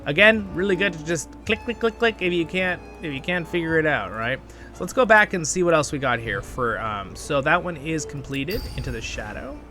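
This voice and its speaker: A man's voice: a little high, expressive, normal speed, sharp tone. A man hosting a gaming channel, chatting enthusiastically and thinking aloud in casual gameplay commentary. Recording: music playing behind the voice. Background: music.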